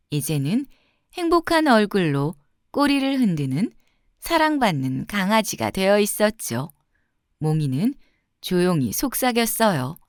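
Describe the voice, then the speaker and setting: A woman narrating a scripted fairy tale for children in a gentle, expressive storytelling manner with clear phrasing. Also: mid-range voice, no echo, studio quality.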